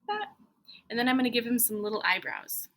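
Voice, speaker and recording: A woman's voice: a little high, big pitch swings, a little fast, a little hiss or hum. A woman, a schoolteacher, leading children through a step-by-step drawing lesson with simple, encouraging instructions, thinking aloud as she goes. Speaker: elementary school teacher.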